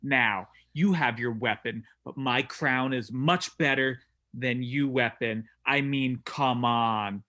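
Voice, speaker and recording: A man's voice: medium pitch, slow pace, sharp tone. A man playing a tough, cocky young wrestling prince, delivering a defiant theatrical promo. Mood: taunting. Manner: taunting, defiant.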